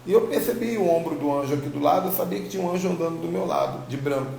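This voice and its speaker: Racing through his personal spiritual testimony for online followers, a slightly tongue-tied Brazilian apostle and religious teacher repeats phrases with informal emphasis. His voice is gravelly, higher-pitched, and dark in tone. Faint noise sits under a roomy echo.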